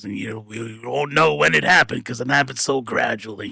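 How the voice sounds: A raspy put-on character voice from a man, medium in pitch, fairly quick, with very wide pitch swings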